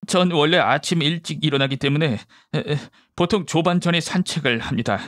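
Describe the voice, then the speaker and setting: A man acting a shaken gentleman witness in an audiobook, with a fairly high male voice. He is polite and hesitant, testifying in distress about a horror, and the sound is close and dry. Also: normal speed, no echo, lightly acted. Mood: polite, uneasy. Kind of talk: audiobook character dialogue.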